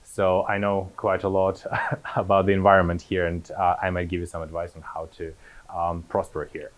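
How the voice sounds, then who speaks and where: A man's voice: sits low, completely flat delivery, moderate pace. A man, giving an academic talk as a postdoctoral researcher, hesitant with many fillers and restarts. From Kazakhstan.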